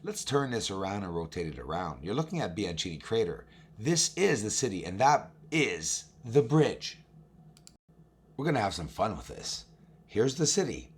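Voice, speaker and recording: A man with a fairly low, husky voice that sounds hoarse and worn. His intonation is lively and swings around as he talks straight to his viewers. He narrates an informal walkthrough of images with emphatic insistence. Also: normal speed. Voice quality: raspy, husky. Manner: emphatic, addresses viewers directly as guys. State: hoarse voice, recovering. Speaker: video host, amateur telescope observer.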